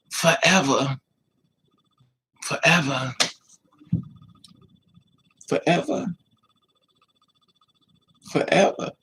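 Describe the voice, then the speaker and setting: Speaking to livestream viewers, this American host has a gravelly, slightly rough mid-range voice, and the audio quality is poor. He chats casually and candidly, spinning sassy, animated stories full of mocking quotes.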